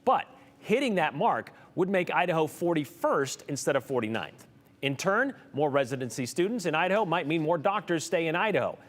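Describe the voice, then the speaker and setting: A man reporting a local TV news story, with a lively, emphatic delivery. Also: on the high side, a little fast, in a large hall.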